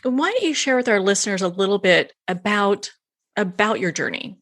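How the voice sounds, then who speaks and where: A woman's voice: medium pitch, lively intonation, normal speed, fairly bright tone. A woman hosting a talk show, introducing and interviewing her guest. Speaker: host.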